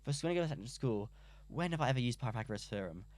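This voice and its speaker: A man's voice: medium pitch, expressive, very fast, darkish tone, a little hiss or hum. A teenage man from London, a podcast guest talking in a rambling, self-deprecating way with lots of restarts. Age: teens. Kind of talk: casual podcast interview.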